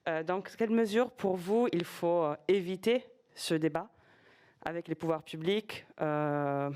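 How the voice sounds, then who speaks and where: A woman's voice: fairly low pitch, a little slow, darkish tone, clean tone. A woman, a former researcher, asking a panel a long, polite question from the audience, searching for her words. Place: conference hall.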